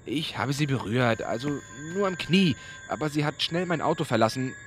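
An actor playing an anxious, desperate doctor in an audio drama, hesitant and pleading. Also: male voice, medium pitch, lively intonation, moderate pace, slight background noise, lightly acted. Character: anxious, desperate male doctor seeking help. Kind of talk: German audio drama acting. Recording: faint music behind the voice.

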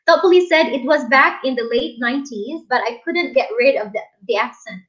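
A young Filipina English teacher hosting a casual live stream from a small room, chatting with viewers and reading their comments aloud. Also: female voice, sits high, a little fast, fairly bright tone, dull audio. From Philippines.

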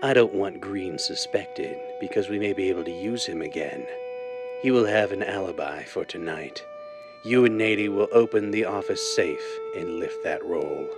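A man's voice: deep voice, moderate pace, over music. A man playing a commanding, calculating crime boss in a 1930s-style radio drama. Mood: cold, commanding. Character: shrewd blind male crime boss giving orders.

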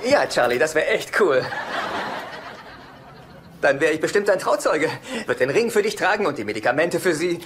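A man's voice: on the high side, sing-song, normal speed, long pauses, fairly bright tone. An actor playing an exasperated, sarcastic worried father and brother in a dubbed sitcom, incredulous in manner. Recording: noisy sitcom soundtrack with studio laughter.

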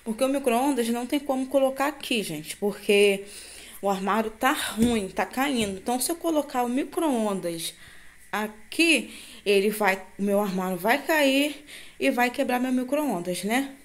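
Expressive and measured, a fairly high-voiced woman with a Brazilian Portuguese accent narrates her casual home vlog. Moving around her kitchen and yard, she chats familiarly and often looks for viewers' agreement, recorded noisily on a handheld phone.

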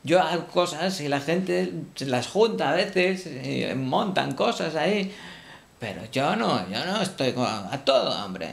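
A man's voice: on the high side, very animated, unhurried, gravelly, heavily acted. A man playing a petulant, vain god who is easily annoyed and talks in an irritable, rambling, insulting way. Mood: irritated.

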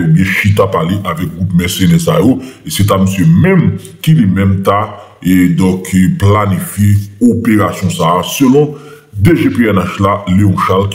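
A man's voice: sits low, darkish tone. A man hosting an online news channel, rallying viewers and introducing a segment with lots of fillers. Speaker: channel host.

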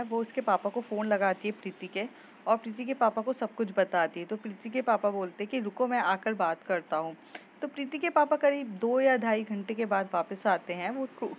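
A woman's voice: mid-range voice, dull audio, slight background noise. A woman narrating a love story in a chatty, casual way, with fillers and restarts.

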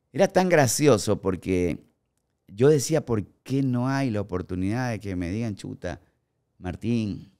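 A man in his forties with an Ecuadorian accent, a guest actor telling animated stories in a podcast studio on a boom mic. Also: clear, resonant tone. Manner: animated storyteller acting out quoted remarks. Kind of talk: casual podcast storytelling. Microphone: studio mic on boom arm, headphones.

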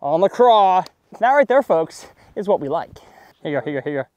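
A man's voice: high voice, brisk, no echo, lo-fi sound. A young man from Texas, hosting a casual fishing vlog from a boat on a lake, joking and exclaiming at every catch. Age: young adult. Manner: excitable, jokey, exclaims at catches. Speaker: fishing video host. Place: open boat on a lake, outdoors.

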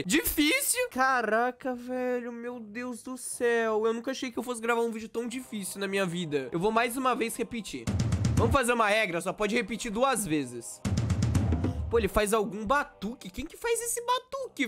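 A young man with a Brazilian Portuguese accent giving excited, slangy commentary as a gaming youtuber, swinging between exclaiming and despairing. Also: high voice. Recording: music playing behind.

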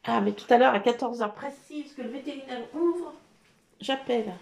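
A woman's voice: high voice, moderate pace, creaky, a crowd in the background. A woman, chatting playfully to viewers while she works on a scrapbook page. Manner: talks to viewers while working, playful, self-mocking. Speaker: scrapbooking vlogger. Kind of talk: chatty talk while crafting.

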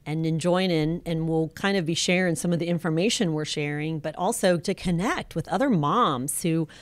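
A woman's voice: sits low, moderate pace, no room sound. An American woman in her fifties chatting casually as co-host of a family radio show. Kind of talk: casual conversational radio talk. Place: small wood-panelled studio. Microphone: close studio mic on boom arm, with headset.

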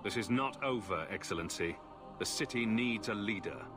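A man's voice: fairly low pitch, normal speed, music in the background, lightly acted. A man, an actor playing a composed, blunt adventurer in a fantasy game, asking direct, probing questions. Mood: firm, questioning. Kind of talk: game dialogue acting.

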